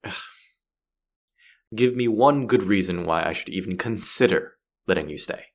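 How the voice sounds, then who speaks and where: A man playing a gruff, sardonic space pirate who is grudgingly softening, in a scripted sci-fi audio roleplay spoken to the listener. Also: low voice, moderate pace. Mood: exasperated, defensive. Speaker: voice actor.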